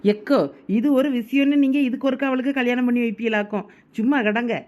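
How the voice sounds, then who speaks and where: A woman plays a sensible cartoon village neighbour with a slightly high voice. She is blunt and matter-of-fact, with a Thoothukudi Tamil accent. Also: fairly even intonation, quick pace, a little mellow, lightly acted. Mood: chiding. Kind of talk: cartoon village drama dialogue.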